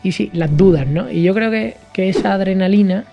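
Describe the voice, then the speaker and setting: A man from Cádiz in his thirties, speaking as a podcast guest in a lively conversational way, with frequent fillers and restarts. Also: high-pitched, brisk, gravelly, lo-fi sound, faint music behind. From southern Spain, Cádiz. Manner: animated storytelling with many fillers and restarts. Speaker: podcast guest, hospitality entrepreneur. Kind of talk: conversational interview.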